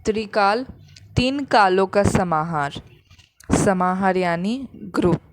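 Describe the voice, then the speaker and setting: A woman's voice: medium pitch, expressive, slow pace, a little hiss or hum. A woman teaching a grammar lesson, patiently repeating each example and explaining it step by step.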